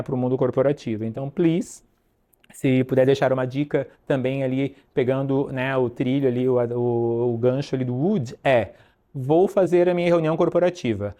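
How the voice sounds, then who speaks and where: Chatty Brazilian man teaching, mellow tone. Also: medium pitch. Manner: chatty, rambling with many fillers and asides. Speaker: English teacher. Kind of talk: casual online lesson.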